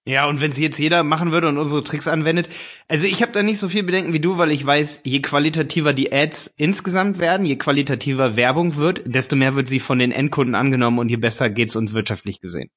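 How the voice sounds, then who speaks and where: A man's voice: a little high, fast, a bit bright. A man co-hosts a casual podcast, explaining things with eager energy. He often stops on fillers and restarts before pushing on with his point. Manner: explaining, enthusiastic, hesitant fillers. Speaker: podcast co-host, ads course seller.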